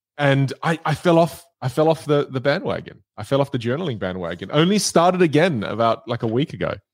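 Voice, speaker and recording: A man's fairly high, lively voice with vocal fry, fairly quick and with hardly any pauses. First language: not English (English is his third language). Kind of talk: casual chat.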